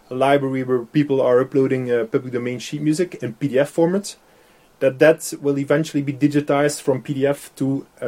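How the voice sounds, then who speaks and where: A software developer whose first language is Dutch speaks English as a guest in a casual interview. His voice is medium-pitched and mellow, and he uses many fillers and laughs frequently.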